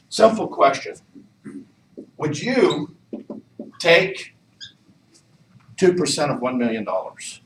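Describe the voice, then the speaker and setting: A man's voice: on the high side, a bit bright, a little hiss or hum. A man leading a real estate training session, coaching the group with repeated questions. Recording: echoey room, mic far off.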